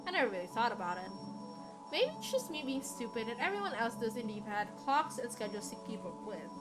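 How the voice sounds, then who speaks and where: A woman's voice: on the high side, sing-song, quick pace, poor audio. A woman streamer reading a visual novel aloud expressively, with casual asides. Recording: music under the voice. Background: game music.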